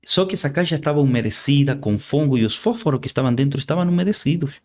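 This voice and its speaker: Expressive and darkish in tone, with a medium pitch, this Argentine guest preacher speaks Spanish natively and carries an Argentine accent. In the interview he preaches with earnest conviction, though haltingly, repeating words along the way.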